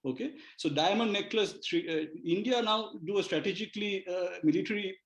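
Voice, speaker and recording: A man with a Sri Lankan accent arguing as a TV debate panelist, halting and repeating words. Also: high-pitched. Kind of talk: argumentative live TV debate. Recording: roomy, echoing remote guest feed.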